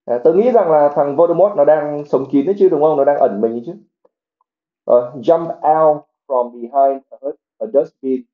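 A man's voice: on the high side, moderate pace. Man teaching vocabulary over a tinny line. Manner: reads English passages, then translates and explains each word. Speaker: English teacher. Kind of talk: reading a novel aloud and explaining vocabulary. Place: livestream at home. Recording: phone-like narrow sound.

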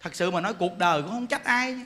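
A man, a Buddhist monk giving a sermon in an animated, joking way. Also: sits high, fast talker. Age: 40s.

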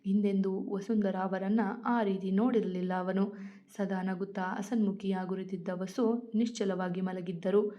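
A woman storyteller reading her own story aloud at a steady, measured pace. Her voice sits in a middle pitch. The recording sounds dull and lo-fi. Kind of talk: scripted story narration.

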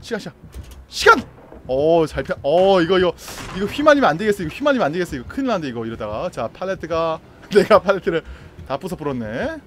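A young male streamer with a high voice that leaps all over its range. He talks through a horror game in an excited, playful way, teasing and joking as he plays. His commentary bounces between calm reassurance and loud yelps. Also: fast, a little hiss or hum. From Korea. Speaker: gaming streamer. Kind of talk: excited live gameplay commentary.

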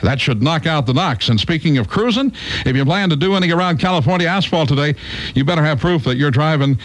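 A man hosting morning radio in a studio, reading weather and traffic with deadpan jokes. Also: a little high, low-quality recording. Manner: deadpan jokes between fast reads. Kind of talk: wisecracking radio patter. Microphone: studio microphone with headphones.

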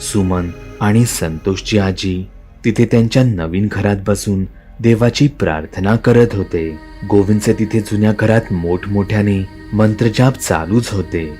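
A man with a Marathi accent telling a scripted horror story as the channel's narrator, steady and slowing for suspense. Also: fairly low pitch.

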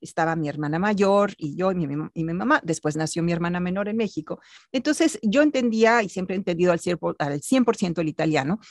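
Middle-aged actress, lively guest telling stories at home, dry close recording. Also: female voice, fairly low pitch, a little fast, dry recording. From born in Italy, raised in Mexico City. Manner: animated, gestures while telling stories. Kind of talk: casual interview storytelling. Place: home room with bookshelf. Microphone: video call.

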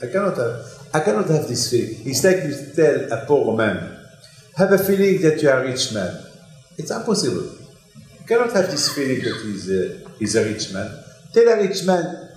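Older rabbi teaching torah, broken english, lots of repeats, echoey shul. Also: male voice, medium pitch, normal speed, faint music behind. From Morocco. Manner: animated, gesturing broadly, repeats phrases, non-native English. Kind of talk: Torah lecture. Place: synagogue hall, indoors. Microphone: desk mic on stand. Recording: echoey hall.

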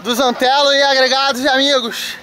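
A man's voice: extremely high pitch, level tone, a little fast, pushed and bright, a faint crowd, a little hiss or hum. A man hosting a casual family vlog, upbeat and slangy. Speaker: vlog host. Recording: clear music playing behind.

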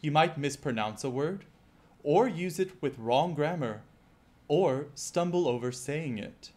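A man with a slightly raised voice teaches an exam-prep lesson. He speaks in a clear, measured, scripted way and often asks the viewer rhetorical questions. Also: a little high, animated, a little mellow. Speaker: IELTS teacher.

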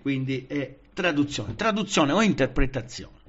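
Animated man teaching a Bible study. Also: mid-range voice, moderate pace, muffled recording. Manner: lively, emphatic, often asks the listeners "vedete?" and "capite?"; frequent fillers and restarts. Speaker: Pentecostal preacher.

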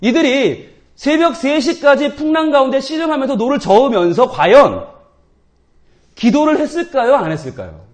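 A man preaches at a church prayer service, with a strikingly high voice for a man. His delivery swings widely in pitch, animated and humorous, as he acts out the doubting thoughts of his listeners. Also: normal speed. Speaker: pastor. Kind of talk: sermon.

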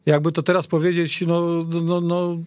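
A man casually discussing football as a radio pundit, halting and repeating words as he searches for them. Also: fairly high pitch, level tone, a little mellow, clear, resonant tone, dry recording. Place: radio studio.

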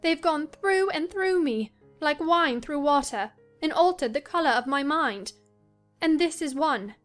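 A woman playing a willful, troubled young gentlewoman in a dramatized audiobook, earnest and dramatic. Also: high voice, lively intonation, measured pace, pitched above the performer's own voice. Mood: troubled, confiding. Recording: music under the voice.

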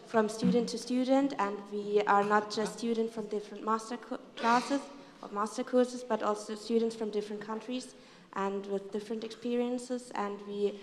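A young woman student giving earnest, measured closing remarks with fillers, in a large hall. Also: a little high, fairly even intonation. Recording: echoey hall, long reverb.

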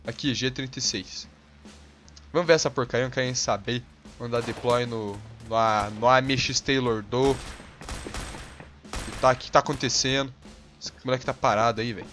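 Young Brazilian gamer host, Brazilian accent, edgy bright tone, quick to explode and curse at his match. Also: medium pitch, steady tone, faint music behind. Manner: hot-tempered, swearing, sudden yelling bursts. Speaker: gaming channel host. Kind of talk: rage gameplay commentary.

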